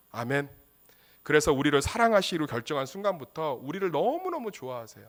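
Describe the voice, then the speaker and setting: A man's voice: a little high, fairly bright tone. A male pastor preaching a sermon, emphatic and humorous, full of rhetorical questions.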